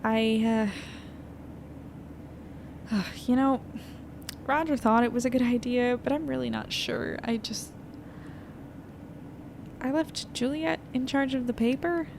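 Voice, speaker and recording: A woman playing an anxious, weary young newspaper editor in an audio drama, confiding and hesitant as she thinks out loud. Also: a little high, fairly even intonation, takes it slowly, creaky, long pauses. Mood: uneasy, doubtful. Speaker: lead narrator of an audio fiction podcast. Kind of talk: intimate naturalistic audio drama monologue. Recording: noisy airplane cabin ambience.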